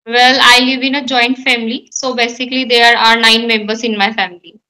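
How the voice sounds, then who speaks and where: A woman's voice: fairly high pitch, level tone, a little fast, bright, forceful tone, poor audio. A young woman from India speaking English with an Indian accent, Hindi and Marwari her first languages, answering questions carefully on a video call. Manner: thoughtful, careful, with frequent light laughs. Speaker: guest learner. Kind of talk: English speaking practice conversation. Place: indoor room at home. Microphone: video call webcam.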